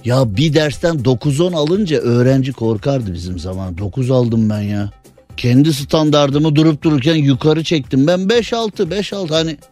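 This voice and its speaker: A man's voice: mid-range voice, animated, moderate pace, darkish tone, faint music behind. A male radio host in casual studio talk, chatty and opinionated, full of rhetorical questions.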